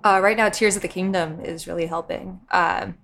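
Low-voiced, easygoing female guest. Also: fairly even intonation, normal speed, creaky, a bit bright, slight background noise. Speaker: guest, media researcher. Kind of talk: casual interview chat.

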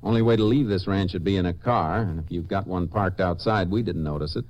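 A man playing a calm, shrewd American Texas Ranger, dry and authoritative, in a 1950s western radio drama. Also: sits low, fairly quick, muffled recording, lightly acted. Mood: dry, probing. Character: calm, shrewd male Texas Ranger, dryly probing suspects.

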